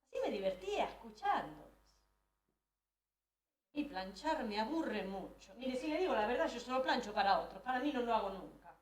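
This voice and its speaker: Woman, dramatic first-person monologue, hesitant restarts, fairly high voice, echoey hall. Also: big pitch swings, moderate pace, recorded from a distance, a little hiss or hum. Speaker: storyteller. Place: live event hall. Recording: roomy hall, voice from afar.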